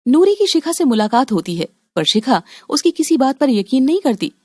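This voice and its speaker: A woman's voice: high voice, very animated, normal speed, a little mellow, no echo. Woman narrating a cartoon story.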